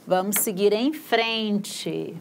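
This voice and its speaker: A Brazilian woman teaching English in a recorded video lesson, slowly spelling out English sentences word by word and explaining in a casual, encouraging way. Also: mid-range voice, vocal fry, a little hiss or hum. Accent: Brazilian Portuguese.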